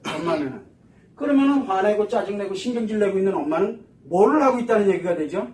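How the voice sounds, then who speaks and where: A man's voice: sits high, quick pace. Guy teaching a psych class, keeps asking the room questions, echoey, mic kinda far. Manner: animated, asks the audience rhetorical questions. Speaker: lecturer. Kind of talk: psychology lecture to an audience. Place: lecture hall.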